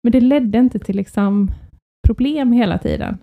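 A woman co-hosting a podcast, telling family stories in a lively, casual way and often breaking into laughter. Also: on the high side, vocal fry, narrow, tinny audio. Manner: lively storytelling, with frequent laughs. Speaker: podcast co-host. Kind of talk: casual chat.

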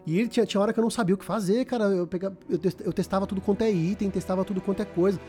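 Fast-talking Brazilian man, higher-pitched voice. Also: steady tone, mellow, faint music behind. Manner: informal, slangy, repeats words while searching for phrasing. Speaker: podcast host. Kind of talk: casual chat about video games.

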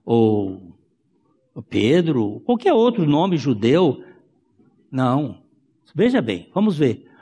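A man teaching a Bible study sermon, explaining slowly and repeating key phrases for emphasis. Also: medium pitch, a little mellow, breathy edge, long reverb tail. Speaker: preacher.

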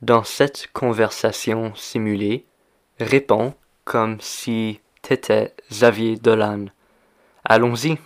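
A man hosting a language lesson, speaking slowly and deliberately and repeating simple phrases for learners. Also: fairly low pitch, steady tone. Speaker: language teacher. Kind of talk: slow scripted language lesson.

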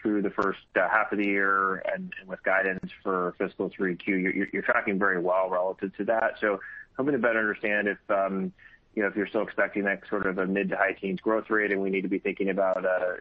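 Deep monotone male analyst on phone. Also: no room sound. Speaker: financial analyst asking questions. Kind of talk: polite, hesitant earnings call questioning. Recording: tinny narrow phone line.

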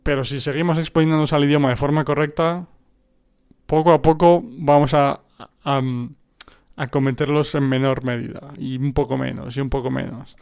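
The speaker, whose native language is Spanish, runs a language-learning podcast and works through his thoughts in an informal monologue. His mid-range voice is flat and a little mellow with vocal fry, at a moderate pace and in clean audio. He restarts frequently and leans on rhetorical "¿no?" tags.

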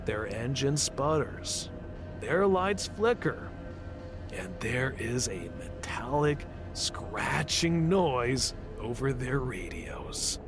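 An actor playing a casual, slangy man telling a spooky story in an audio drama, with dramatic pauses. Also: medium pitch, big pitch swings, music in the background. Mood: eerie, suspenseful.

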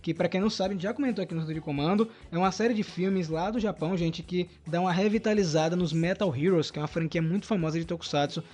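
Upbeat high-voiced Brazilian man. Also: quick pace, hardly any pauses, a little mellow. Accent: Brazilian Portuguese. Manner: upbeat, reads emails aloud with emphasis. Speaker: podcast co-host. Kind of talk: casual podcast chat, reading listener email.

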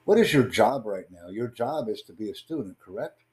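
A man hosting an online voice chat, talking in a formal, measured, promotional way. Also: on the low side, lively intonation, darkish tone. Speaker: host of online conversation. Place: in the United States.

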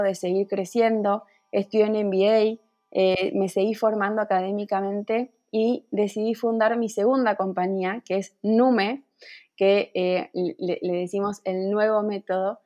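A woman's voice: mid-range voice, darkish tone. A woman from Santa Fe, Argentina, with an Argentine accent, a gynecologist answering interview questions earnestly and at length. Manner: earnest, explains at length with small restarts. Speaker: guest, gynecologist and entrepreneur.

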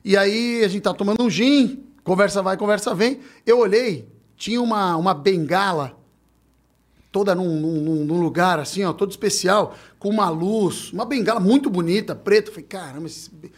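A man co-hosting a casual chat, telling a story with eager, animated energy. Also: high-pitched, moderate pace.

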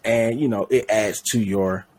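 A man's voice: lowish voice, steady tone, a little slow, darkish tone. A man co-hosting a podcast in casual chat, rambling and correcting his own slips with a laugh. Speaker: podcast co-host.

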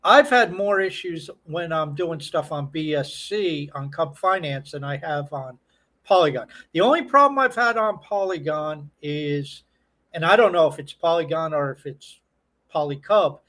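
Male podcast co-host, slightly high voice, relaxed conversational style of talk. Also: unhurried. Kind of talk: casual chat.

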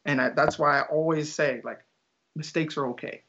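A man's voice: fairly high pitch, fairly even intonation, moderate pace, bright, forceful tone. A young man, a teacher, chatting casually as an interview guest, rambling with lots of fillers and restarts. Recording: dull lo-fi audio.

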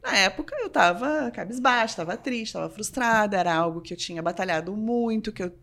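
A woman's voice: medium pitch, a little fast, vocal fry. A woman from southern Brazil with a Rio Grande do Sul accent, a sports reporter telling stories in a casual podcast interview and acting out the voices of the people she quotes. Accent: Rio Grande do Sul Portuguese. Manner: animated storyteller, acts out quoted voices.

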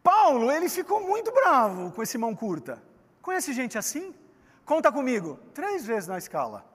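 High-voiced Brazilian preacher, animated. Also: male voice, moderate pace, husky. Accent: Brazilian Portuguese. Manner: animated, joking, talks straight to the congregation. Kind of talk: lively sermon. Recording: long hall reverb.

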